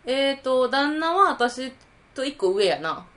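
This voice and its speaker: A woman's voice: high-pitched, sing-song, takes it slowly, a bit bright. A woman with a Kansai accent co-hosting a casual chat podcast, laughing easily and protesting good-naturedly when teased. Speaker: podcast co-host.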